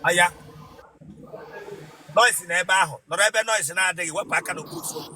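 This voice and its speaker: A man's voice: sits high, normal speed. A man with a Nigerian West African accent, a native Igbo speaker, scolding and ordering people about as host of a comedic mock interview. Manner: bossy, scolding, excitable. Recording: noisy location with ambient sound.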